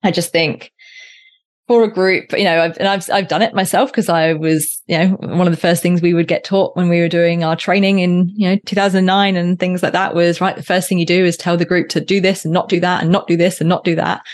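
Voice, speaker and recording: A woman with a notably low-pitched voice talks as a guest on a workplace learning podcast. She is reflective and thinks aloud, circling back and restarting her sentences in relaxed conversation. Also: brisk. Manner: reflective, with frequent restarts and fillers.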